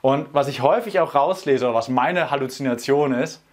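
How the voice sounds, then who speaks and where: A man who runs men's workshops, talking straight to camera in an energetic, persuasive, colloquial way. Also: mid-range voice, fairly quick. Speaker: workshop organizer. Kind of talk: direct-to-camera promotional talk.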